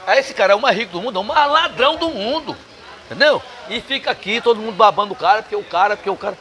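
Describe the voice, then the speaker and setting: Northeastern Brazilian man, guest: bright, forceful voice, emphatic and combative, swears freely. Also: high-pitched, animated, very fast. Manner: emphatic, combative, salty language. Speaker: interview guest. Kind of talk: casual bar interview. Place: bar.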